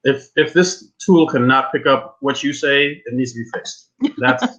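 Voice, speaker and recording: A man's voice: mid-range voice, moderate pace, fairly bright tone. A man speaking casually as a moderator on an online video chat. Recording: dull lo-fi web video call.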